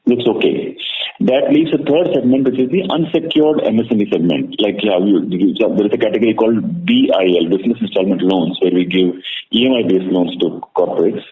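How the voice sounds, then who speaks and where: Low-voiced Indian man on an echoey phone line. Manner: repetitive, halting, emphatic restating of phrases. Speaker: bank executive on an earnings call. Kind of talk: spontaneous answers to analyst questions. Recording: echoey narrowband phone line with faint noise.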